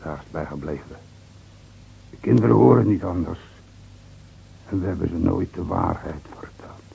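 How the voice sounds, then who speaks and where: An actor playing a guilt-ridden, excitable mountain villager in a Dutch radio drama. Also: male voice, deep voice, normal speed, gravelly, breathy edge, full character voice. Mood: grave, confessing. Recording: dull, faintly noisy old radio recording.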